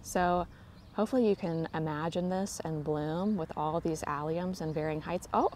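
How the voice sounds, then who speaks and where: A woman's voice: deep voice, moderate pace, a little hiss or hum. A woman giving a casual, enthusiastic walking tour of her home garden, filming on a handheld phone outdoors. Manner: gentle, enthusiastic, chatty. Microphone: handheld phone camera, filming while walking. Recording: faint outdoor ambience.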